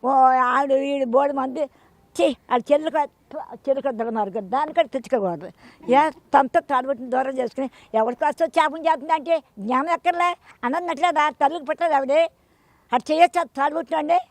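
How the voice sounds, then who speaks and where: Older woman voter, emphatic and repetitive, high-pitched, dry close sound. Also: fairly quick, no echo. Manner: emphatic, rambling, repeats herself. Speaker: interviewed voter. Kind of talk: street interview.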